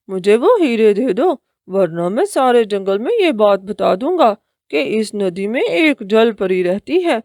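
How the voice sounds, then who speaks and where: Woman doing a loud, greedy cartoon crow. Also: fairly high pitch, dry recording, clean studio sound, natural voice. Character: greedy, bossy male crow.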